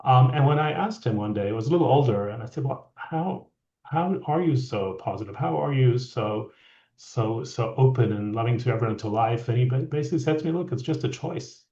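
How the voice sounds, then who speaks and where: A middle-aged man from France, a guest leadership coach, talking in a reflective, halting way with many restarts. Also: mid-range voice, expressive, dark tone. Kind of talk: conversational interview. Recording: echoey, dull lo-fi audio.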